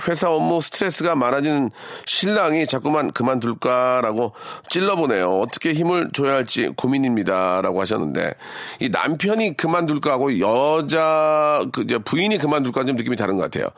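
A man's voice: mid-range voice, fairly bright tone, no room sound, studio quality. A man hosting a radio show, chatting playfully and straight to listeners while reading out their messages. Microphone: studio microphone.

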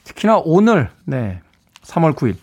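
Chatty male radio host with a lively voice. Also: on the high side, normal speed, slightly rough, lo-fi sound. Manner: friendly, chatty, reads listener messages. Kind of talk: radio DJ talk. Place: radio studio.

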